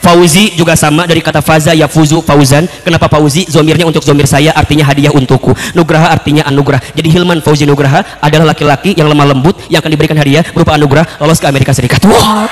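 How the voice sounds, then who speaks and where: A man's voice: fairly high pitch, racing, hardly any pauses. A man with a Sundanese accent, preaching as an Islamic preacher in a playful storytelling sermon, acting out the dialogue. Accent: Sundanese-accented Indonesian. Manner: animated, acts out dialogue, playful. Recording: reverberant hall.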